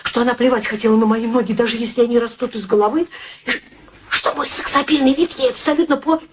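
A woman's voice: fairly high pitch, fast talker, noisy background, lightly acted. An actress playing a proud, stubborn single woman in a radio play, with a sardonic, insistent manner. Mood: wry, hurt.

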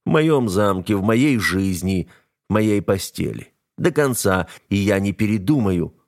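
A man's voice: fairly low pitch, animated, a little slow. A man voicing a cold, domineering heir to the throne who issues level, menacing warnings. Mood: commanding. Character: cold, domineering male heir, the narrator himself.

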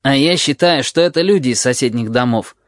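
A man's voice: medium pitch, a little fast, no echo, clean studio sound, close to an everyday voice. A man reading an audiobook and voicing a gloomy, nervous teenage boy who grumbles defensively. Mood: musing.

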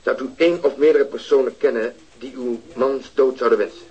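An actor playing a patient, methodical police detective in a radio drama. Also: male voice, medium pitch, brisk, darkish tone, breathy edge, dull audio, close to an everyday voice. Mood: polite. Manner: polite, methodical questioning. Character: patient police detective, middle-aged man.

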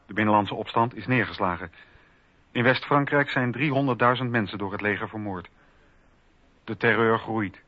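A man's voice: medium pitch, dry recording. A man narrating a scripted historical documentary drama for radio. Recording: dry, slightly dull radio recording.

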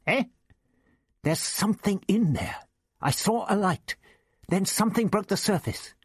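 Man doing a stubborn schoolteacher, raised pitch, husky, insistent. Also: animated, a little slow, no echo, clean studio sound, heavily acted. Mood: urgent. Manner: insistent, urgent. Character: indignant male schoolteacher, stubborn, earnest.

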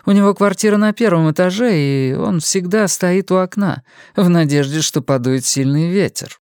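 A stern older mother with a prim, scolding voice, pitched up high, put on by a male narrator. She speaks crisply and sharply in an audiobook reading. The recording is close and dry. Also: normal speed, darkish tone, no echo, lightly acted. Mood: disapproving. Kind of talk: audiobook character voice.

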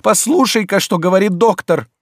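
A man reading an audiobook voices a petulant idle gentleman who whines and scolds his servant. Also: high-pitched, normal speed, no room sound, studio quality, voice pushed up. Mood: exasperated. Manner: whiny, exasperated, raised and pleading. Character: petulant idle middle-aged gentleman, easily vexed.

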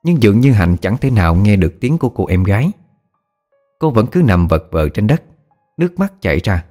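A man reading a scripted horror story in a dramatic, expressive way. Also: lowish voice, a little fast, soft background music.

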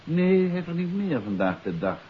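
An actor playing a composed, astute amateur detective in a 1950s radio drama, speaking in a measured, confident, matter-of-fact way. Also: male voice, on the high side, sing-song. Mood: assured. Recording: dull, hissy 1950s radio recording.

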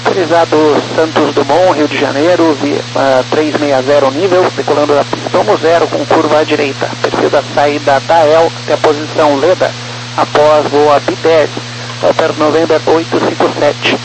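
A Brazilian man, an airline pilot, reading back clearances over aircraft radio. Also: on the high side, steady tone, normal speed. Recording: noisy aircraft radio with cockpit ambience.

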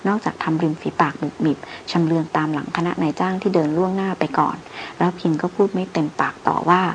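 A woman narrating an adventure novel as an audiobook in a steady storytelling way. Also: fairly low pitch, fast talker, slight background noise, poor audio.

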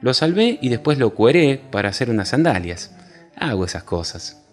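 A man voicing an ageless, white-bearded god, who talks slowly and is pleased with himself. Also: medium pitch, very animated, soft background music, lightly acted. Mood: languid. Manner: slow, drawn-out and self-satisfied.

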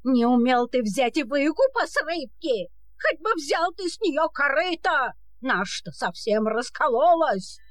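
An actress playing a greedy, ill-tempered old peasant wife who nags and scolds scornfully in a fairy-tale audio play. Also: female voice, sits high, sing-song, measured pace, dry recording, studio quality. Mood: scornful, scolding. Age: older. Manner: shrewish, nagging, scornful.

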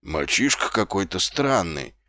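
A man reading an audiobook, voicing a slow, cautious middle-aged sergeant who likes his comforts. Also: sing-song, pushed and bright, no echo, studio quality, full character voice. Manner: slow, ponderous, deep. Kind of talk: audiobook character voice.

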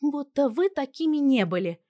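A woman's voice: lively intonation, normal speed, warm tone. A woman voicing a whiny, defiant fifteen-year-old girl in an audiobook story. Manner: whining, shrill and pleading.

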